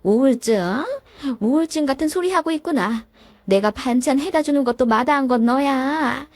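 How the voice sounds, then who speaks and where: A woman's voice: high voice, normal speed, a little mellow, dry recording. A woman doing a bossy scolding mother-in-law. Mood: furious. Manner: domineering, nagging, threatening.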